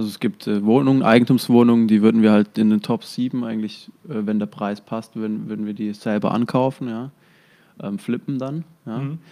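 Delivered at a moderate pace with fairly even intonation, the dark, mellow tone comes through in a very clean recording with a silent background. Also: man, medium pitch for a man. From Baden-Württemberg, near Heilbronn. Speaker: real estate investor. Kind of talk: interview.

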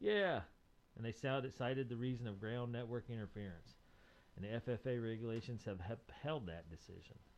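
With an American accent and a plain, everyday voice, a man speaks at a medium pitch and a moderate pace with ordinary pitch variation. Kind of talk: casual chat, podcast. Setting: studio.

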